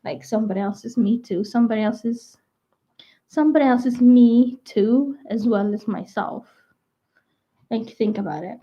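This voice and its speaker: Young woman vlogging, kinda high, a bit croaky, rambly and full of likes, muffled lo-fi sound. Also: moderate pace, dark tone. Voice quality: croaky at times. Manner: meandering, full of "like" and restarts. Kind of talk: rambling casual chat to camera. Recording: dull lo-fi sound.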